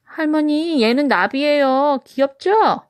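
Small boy played by a woman: high, earnest, pleading, children's storybook. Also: slow, no room sound, studio quality. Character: small boy, tender and protective of his cat.

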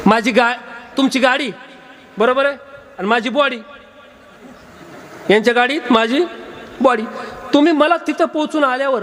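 A man's voice: extremely high pitch, a bit bright. A male kirtan preacher giving a comic sermon, teasing and quizzing his audience at a live gathering.

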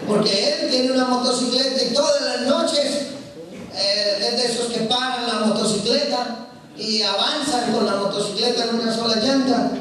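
A man's voice: very high voice, moderate pace. Colombian man, priest, charismatic sermon, storytelling, emphatic, large hall, audience, distant mic. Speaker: Catholic priest, preacher. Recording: echoey hall from far off, crowd.

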